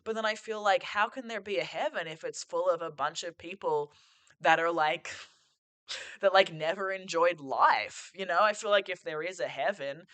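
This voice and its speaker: A man's voice: high voice, normal speed, sharp tone, no room sound. A man hosting a podcast as a reflective solo monologue, rambling and musing, full of "like" and "sort of", sitting on a couch at home and losing his voice a bit. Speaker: podcast host.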